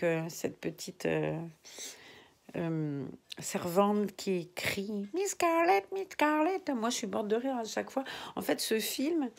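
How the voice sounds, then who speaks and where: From a nursery room in her home, an older woman who vlogs about collecting reborn dolls chats casually with viewers. Her medium-pitched voice is slightly mellow with vocal fry, and she rambles, often sinking to a whisper.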